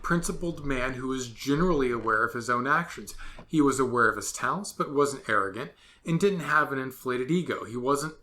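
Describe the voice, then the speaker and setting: Sarcastic ranting man, bright voice. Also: mid-range voice. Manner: sarcastic, exasperated ranting with absurd comparisons. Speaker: podcast host. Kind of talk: solo commentary monologue.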